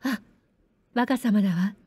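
A woman voicing a spirited young girl in a samurai-era story, speaking high and pleading. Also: slow pace, a little mellow, breathy edge, no room sound. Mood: startled.

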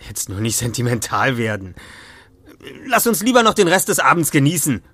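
Hearty male pal for horror audio drama: chummy, urging, very animated intonation. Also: mid-range voice, normal speed, slightly rough, no echo. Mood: encouraging, warm. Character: hearty, encouraging friend and fellow asylum patient.

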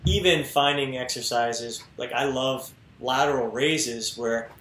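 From an echoey room at home, with bookshelves around him, a man in his thirties co-hosts a fitness podcast via video call and earbud mic. He speaks earnestly, swears casually, and talks a little slowly in a medium, fairly bright voice, with a little hiss or hum in the audio.

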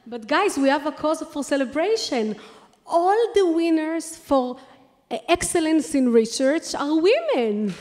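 Israeli woman in her thirties, high and earnest, podium mic in a hall with a long reverb tail. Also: animated, darkish tone. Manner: earnest, fast, with many fillers and restarts. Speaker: award recipient giving thanks. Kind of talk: acceptance speech at a podium. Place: large lecture hall on stage. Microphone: podium microphone on a stand.

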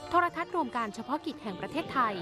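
A woman news reporter reading a scripted royal news report in a formal, measured way. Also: high voice, lively intonation, music in the background.

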